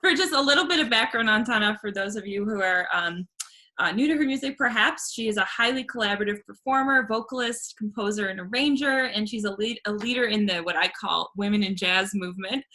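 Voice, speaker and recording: A woman's voice: mid-range voice, pushed and bright. A woman hosting an interview, friendly and hesitant, with restarts as she phrases her questions. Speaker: interview host. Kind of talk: casual interview.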